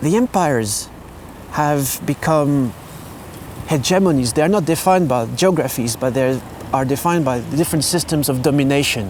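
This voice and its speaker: Over noticeable background noise, a man with a French accent talks at very even loudness with ordinary pitch variation. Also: fairly high pitch for a man, moderate pace. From France. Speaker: sociologist and video essayist. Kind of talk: educational monologue.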